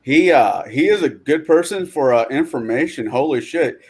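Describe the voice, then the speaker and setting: A man chatting on a gaming podcast, animated and quick to swear. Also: a little high, slightly rough. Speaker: podcast co-host. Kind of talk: casual podcast chat.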